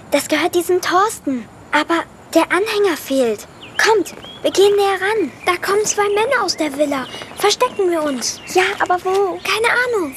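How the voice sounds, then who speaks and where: A woman voicing an eager, earnest child detective in a children's radio drama, excited and insistent. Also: extremely high pitch, a little hiss or hum. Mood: indignant, conspiratorial.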